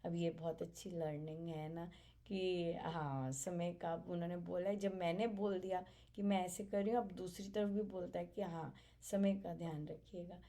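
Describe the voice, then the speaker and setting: A woman softly sharing her spiritual learnings at a family gathering, reflective and halting. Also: on the low side, steady tone. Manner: soft-spoken, reflective, halting with fillers and light laughs. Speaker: satsang participant sharing experience.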